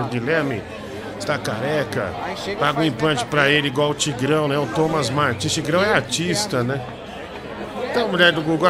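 Teasing Brazilian radio host over music. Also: male voice, a little high. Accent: Brazilian Portuguese. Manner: mocking, teasing, repeats himself. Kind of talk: casual comic radio banter. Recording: music playing behind the voice.

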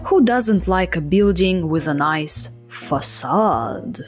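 A woman's voice: fairly low pitch, expressive, slow pace. Russian accent lady teaching english on a podcast, playful n emphatic, bit of guitar music behind her. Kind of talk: conversational language lesson.

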